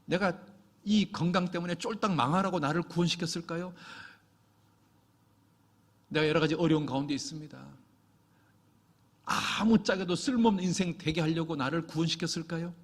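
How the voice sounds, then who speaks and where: A man preaching a Sunday sermon, swinging from quiet reading to loud, impassioned exhortation. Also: on the high side, normal speed, pauses often. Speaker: pastor. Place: church sanctuary. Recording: long church reverb.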